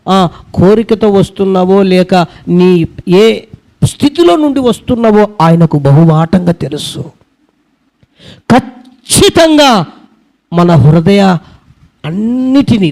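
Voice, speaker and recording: High-voiced man preaching a sermon. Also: gravelly, a little mellow. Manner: repetitive rhetorical questions to the congregation; earnest, emphatic preaching. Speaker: pastor.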